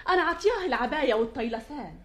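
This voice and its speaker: A woman's voice: high voice, lively intonation, rapid-fire. An Egyptian woman playing a poised, affectionate princess of the jinn in a theatrical drama. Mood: coaxing. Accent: Egyptian Arabic.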